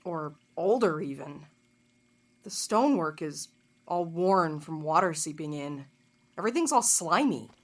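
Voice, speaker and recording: An actress playing a tough, sharp-tempered woman in an audio drama, with a dry, no-nonsense manner. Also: sits low, animated, unhurried. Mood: focused. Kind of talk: scripted audio drama acting.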